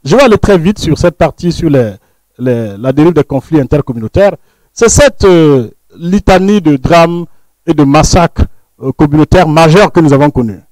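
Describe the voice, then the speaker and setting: A man with a fairly high voice gives an analytical panel talk, pressing his points with emphasis. He repeats words as he searches, then lets each phrase fall low. The sound is dry and close. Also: animated, moderate pace, a little mellow, no echo. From Burkina Faso. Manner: emphatic, lecturing, with frequent word repeats and phrase ends that drop low. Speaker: panelist, researcher.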